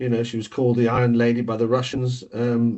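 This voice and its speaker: A man speaks in an English accent at a medium pitch. His intonation is monotone and flat. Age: 70s. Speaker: podcast co-host. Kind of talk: casual discussion. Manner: halting, repeats words.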